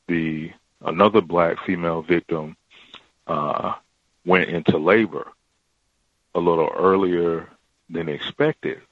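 Very deep, slow-talking man on a call. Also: dry recording, lo-fi sound. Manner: halting, many fillers and restarts. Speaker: caller. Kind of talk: casual call-in account.

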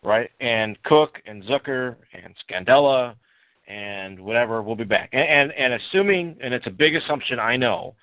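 A man's voice: mid-range voice, lively intonation, normal speed. A man hosting a casual sports podcast who leans on numbers and leads the questions. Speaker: podcast host. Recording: tinny phone-like, dry sound.

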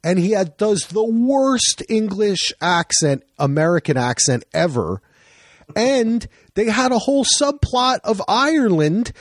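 A man hosting a casual podcast chat, rambling and animated, with frequent swearing. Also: very high voice, dry recording, clean studio sound. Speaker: podcast host.

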